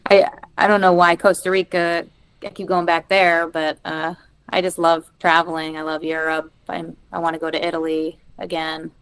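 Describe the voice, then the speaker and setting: A woman from Massachusetts with a smooth, clear and slightly low voice talks as a podcast guest. She thinks out loud, pausing and hedging as she answers. She sounds like she is in her thirties. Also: little pitch movement, low-quality recording. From Massachusetts, United States. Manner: thoughtful and hesitant, with many fillers. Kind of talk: casual interview chat.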